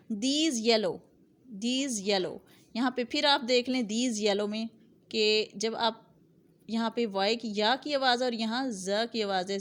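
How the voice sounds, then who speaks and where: A woman with a fairly high voice explains English sound assimilation in an easygoing classroom way. She keeps saying example phrases again and again, slowly, so learners can copy them. She checks in with her students as she goes. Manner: conversational, checks in with "theek hai". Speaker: English phonology teacher. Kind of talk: explanatory video lesson.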